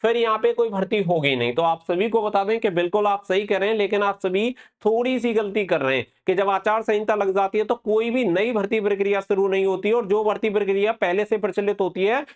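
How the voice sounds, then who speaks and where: Man, notably high voice, informal coaching host, reassuring, repetitive explainer. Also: brisk, few pauses. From India. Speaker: exam coaching channel host. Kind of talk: informal explanatory advice to exam candidates.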